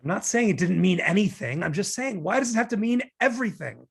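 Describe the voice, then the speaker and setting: A man's voice: high-pitched, animated, fast, vocal fry. An actor playing a defensive, exasperated man arguing with his lover in a table read of a romantic comedy. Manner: argumentative, self-justifying.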